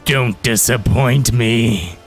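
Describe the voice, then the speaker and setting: A man voicing an unseen villain who taunts adventurers in a slow, condescending, unearthly voice, as in a tabletop game. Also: medium pitch, soft background music, voice pushed down. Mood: cold taunting. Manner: condescending, deliberate.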